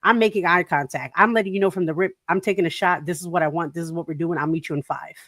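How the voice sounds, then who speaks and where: A woman co-hosting a talk show in casual, animated chat, laughing and putting on playful voices as she talks. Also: lowish voice, fast, no echo, studio quality. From Puerto Rican heritage. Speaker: podcast co-host.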